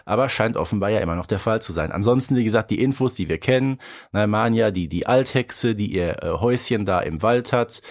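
A man's voice: lowish voice, a little fast. A man from Germany co-hosting a podcast, chatting casually and colloquially with frequent tag questions. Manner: colloquial, often adds "ne" as a tag. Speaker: podcast co-host.

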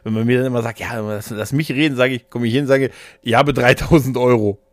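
Male podcast host, middle-aged, animated anecdote-telling in an average register, recorded dry. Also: mid-range voice, fast, dry recording. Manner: animated storyteller, acts out quotes. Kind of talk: casual anecdotal chat.

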